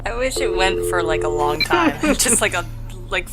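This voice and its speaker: A woman's voice: on the low side, lively intonation, moderate pace, over loud music. A woman hosting a let's play with casual, jokey, sweary game commentary.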